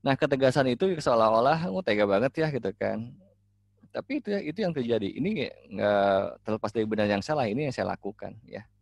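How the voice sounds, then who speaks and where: A man, a life coach, talking casually to his listeners, relaxed and full of fillers and restarts. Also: medium pitch, fairly quick, vocal fry, dry recording. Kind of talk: casual teaching talk.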